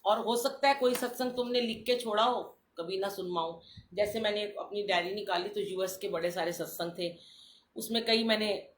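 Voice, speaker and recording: An older woman giving an earnest devotional talk, telling a dream story and addressing listeners warmly as a congregation. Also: mid-range voice, normal speed, a little hiss or hum. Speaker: satsang speaker. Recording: roomy live stream with faint ambience.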